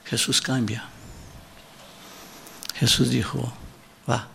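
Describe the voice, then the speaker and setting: Male preacher, native Portuguese speaker, slow and emphatic sermon delivery, gravelly fry in the voice, halting Spanish. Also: mid-range voice, flat delivery, sharp tone, slight background noise. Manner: repetitive emphatic preaching, acts out quoted voices.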